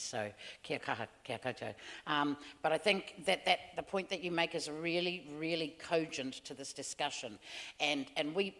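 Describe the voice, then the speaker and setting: NZ woman facilitator, very low pitch, hesitant, long hall reverb. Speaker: meeting facilitator. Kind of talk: chairing a consultation meeting.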